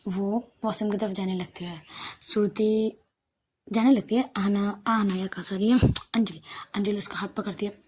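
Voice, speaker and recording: Young woman casually narrating a love story, mellow voice, slips into whispers. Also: mid-range voice, steady tone, moderate pace, pauses often, husky. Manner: casual, conversational, drops to a whisper at times.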